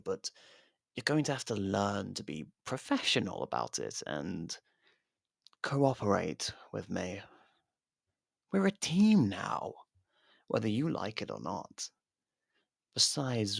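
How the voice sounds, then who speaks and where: Guy doing a sardonic convict murderer, asmr roleplay, taunting and sweary, lowish creaky voice, super dry close mic. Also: no echo, exaggerated voice. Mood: smug, needling. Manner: taunting, mocking, casually profane. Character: sardonic imprisoned murderer reluctantly partnered with a detective.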